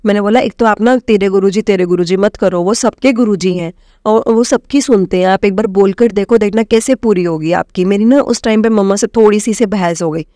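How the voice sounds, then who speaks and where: Speaking fairly quickly in a mid-range voice, a young devotee from Himachal Pradesh, India gives her testimony to the congregation. She warmly calls them "sangat ji" and slips in English words, captured in a dry, studio-quality recording.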